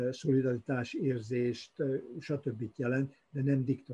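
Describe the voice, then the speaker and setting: This man has a dark, mellow tone, a medium pitch and a somewhat breathy sound. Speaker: historian. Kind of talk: interview.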